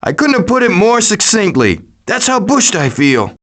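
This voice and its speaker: Cocky high-pitched cartoon raccoon. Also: male voice, sing-song, moderate pace. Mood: wisecracking. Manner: glib, theatrical, wisecracking. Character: cocky, scheming, wisecracking cartoon raccoon, adventurous leader. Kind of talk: animated video game voice acting.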